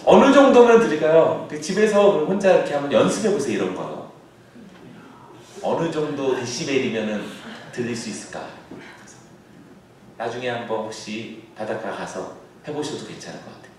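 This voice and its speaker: A male pastor preaching a sermon, now and then bursting into shouted calls as he acts out a scene. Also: medium pitch, expressive, moderate pace, a little hiss or hum. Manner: acts out shouted calls across the water, then drops to a soft aside. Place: church sanctuary. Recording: echoey church hall, heard from a distance.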